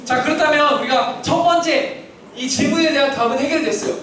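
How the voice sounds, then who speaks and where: This male children's pastor speaks at an extremely high pitch, a little fast, with a fairly bright tone, questioning kids and guiding their call-and-response in an interactive sermon. Recorded in a church hall with strong echo and a far-off mic, it carries slight hiss or hum and the children's voices.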